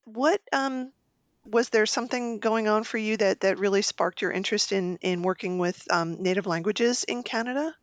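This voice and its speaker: A woman's voice: medium pitch, normal speed, no room sound. A woman hosting a podcast, interviewing in a casual, conversational way.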